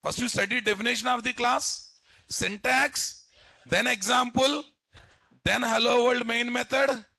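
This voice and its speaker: In a live classroom lecture, a male programming instructor with a Telugu Indian English accent scolds students bluntly, repeating points and tossing out rhetorical questions. His voice is extremely high, pushed and bright, with vocal fry, fairly even intonation and an unhurried pace, captured in a dry recording.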